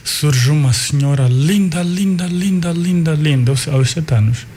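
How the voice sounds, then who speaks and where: A man in his forties with an Angolan Portuguese accent whose first language is Kikongo. He is a guest recalling his life in an unhurried, searching way, often restarting and repeating words. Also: fairly high pitch, dark tone, a little hiss or hum. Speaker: guest, artist and cultural manager. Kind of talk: reflective life-story telling.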